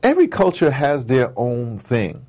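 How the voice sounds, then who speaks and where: An American man being interviewed, talking casually as an animated storyteller and often checking in with "you know". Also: mid-range voice, unhurried. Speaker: interview guest, audio drama maker.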